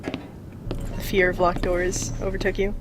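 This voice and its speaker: A woman's voice: on the low side, completely flat delivery, slow pace, background noise. A woman chatting casually as a gaming co-commentator, with wry, teasing remarks. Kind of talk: casual chat. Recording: clear game music behind voice. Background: game music.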